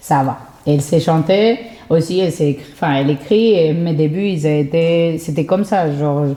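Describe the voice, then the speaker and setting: With a Colombian accent, a woman speaks at a moderate pace in a very deep, low voice, her loudness swinging widely. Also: ordinary pitch variation. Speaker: singer-songwriter. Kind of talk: casual chat.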